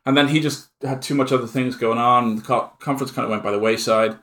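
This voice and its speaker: A middle-aged Irishman speaks as a guest in a casual interview. His voice sits at a medium pitch and his delivery is chatty and informal, like someone explaining his own work to a colleague. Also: steady tone, fast, a bit bright. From Ireland. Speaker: conference organiser, interview guest.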